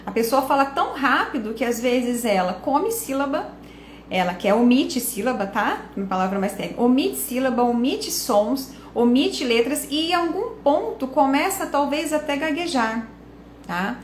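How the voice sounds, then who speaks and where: A woman's voice: sits high, animated, moderate pace, slight background noise. Female host, conversational and questioning delivery, recorded in an echoey room. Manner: conversational, asks rhetorical questions, frequent tag questions. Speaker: speech and listening coach, channel host. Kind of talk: reflective talk to camera.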